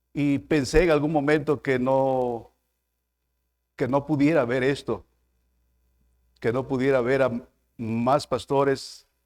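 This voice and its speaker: Speaking at a very slow pace with long, frequent pauses, a man keeps a medium pitch and fairly even intonation. The recording is very clean, with a silent background. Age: 60s. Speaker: pastor. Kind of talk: sermon. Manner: halting.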